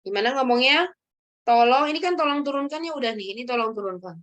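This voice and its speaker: A woman teaching a language lesson, ending phrases with quick check-ins to her students. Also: high-pitched, expressive, a bit bright. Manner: tags sentences with "ya" and calls on students.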